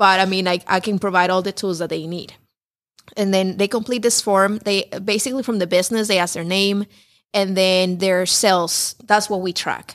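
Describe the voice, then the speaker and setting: Monotone, flat delivery in a Spanish accent at a moderate pace, on a very clean recording with a silent background. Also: woman, medium pitch for a woman. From Mexico, moved to Rome, Georgia at twelve. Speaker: small business advisor. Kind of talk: radio interview. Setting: studio.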